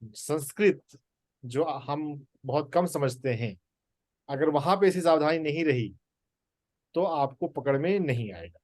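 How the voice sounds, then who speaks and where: A man teaches scripture at an unhurried, measured pace, stressing words with long pauses. His voice sits a little high for a man. The sound is dry and close. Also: expressive, a little mellow, dry recording. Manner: slow, deliberate, emphatic pauses. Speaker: meditation and Gita teacher. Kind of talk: spoken teaching talk.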